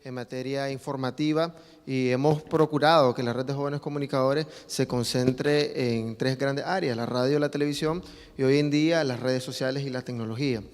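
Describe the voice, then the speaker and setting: A man's voice: medium pitch, steady tone, normal speed. Nicaraguan man speaking formally in a reverberant hall. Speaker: panel guest, youth communications organizer. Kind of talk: formal prepared-sounding panel remarks.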